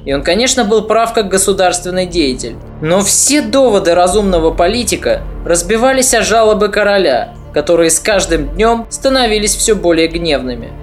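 A podcast narrator reading a scripted history story in a measured, slightly ironic way. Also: mid-range voice, lively intonation, faint music behind.

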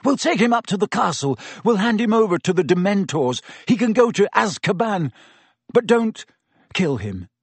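A man's voice: mid-range voice, lively intonation, moderate pace, dry recording, natural voice. A man voicing an earnest, defiant teenage boy in an audiobook, urgent and breathless in delivery.

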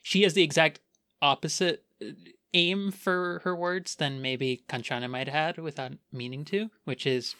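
A man's voice: a little high, moderate pace, sharp tone, clean tone, dry recording. A man playing a tabletop role-playing game, thinking aloud about his character in a rambling way with many fillers. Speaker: player.

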